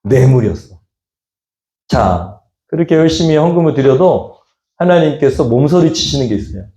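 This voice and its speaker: Animated pastor in an echoey church. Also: male voice, mid-range voice, normal speed. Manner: fires rhetorical questions at the congregation in casual speech. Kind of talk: sermon. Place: church sanctuary.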